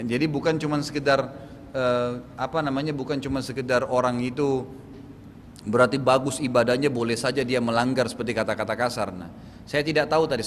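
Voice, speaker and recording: A man's voice: medium pitch, big-room sound, a little hiss or hum. A man from Makassar in South Sulawesi, answering a question in a religious lecture with a Makassar Indonesian accent, often asking "right?" to check he is followed. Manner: explanatory, repeats "gitu kan?" to check understanding. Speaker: preacher.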